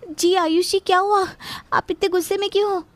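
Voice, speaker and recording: A woman's voice: very high voice, steady tone, a little fast, soft background music. A young woman playing a timid daughter-in-law who pleads anxiously. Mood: pleading. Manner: pleading, fearful.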